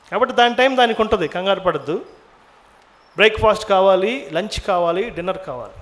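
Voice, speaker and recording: High-voiced man preaching a sermon. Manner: asks the audience many questions, drops in English words. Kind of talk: sermon, Bible teaching.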